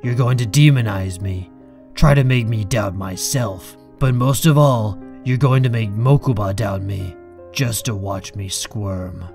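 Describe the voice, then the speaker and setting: A male actor plays a proud, defiant man with a low voice in an audio drama. He is sardonic and controlled, cold anger under every word, over a faint musical bed. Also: a little slow, vocal fry, darkish tone, faint music behind. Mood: angry defiance. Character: proud, defiant, coldly angry man facing his enemy.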